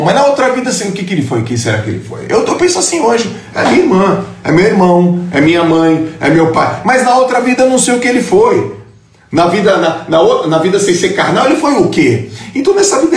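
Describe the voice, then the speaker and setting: A fired-up man delivers a motivational talk with a blunt, profane, confrontational edge. His pitch sits a little high and swings widely as he hammers his points home. The sound carries a roomy echo around him. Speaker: motivational speaker. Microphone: live stream. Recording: echoey room.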